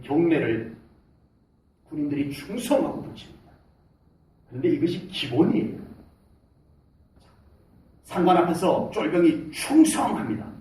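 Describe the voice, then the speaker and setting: A middle-aged man preaching a sermon as pastor in a church, talking with lively gestures of voice and shouting out salutes as he acts out soldiers. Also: on the high side. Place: church sanctuary. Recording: echoey hall, mic from a distance.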